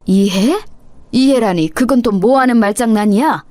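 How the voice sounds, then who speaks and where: A woman's voice: fairly high pitch, normal speed, darkish tone, no room sound, clean studio sound, faint music behind, lightly acted. A woman voicing an older stepmother-in-law who lectures and scolds with indignant outrage, for a radio story drama. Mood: outraged.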